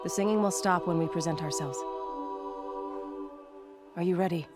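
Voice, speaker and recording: Woman acting a composed tribal guide over loud music. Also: on the low side, normal speed, natural voice. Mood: calm, reassuring. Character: composed, reverent tribal guide explaining custom. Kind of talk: video game cutscene acting.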